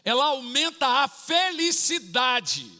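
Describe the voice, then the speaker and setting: A middle-aged man, preaching a sermon full of personal stories, acting out family dialogue and breaking into sudden shouts. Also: extremely high pitch, slow, big-room sound. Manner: animated, acts out family dialogue, bursts into shouts. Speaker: pastor.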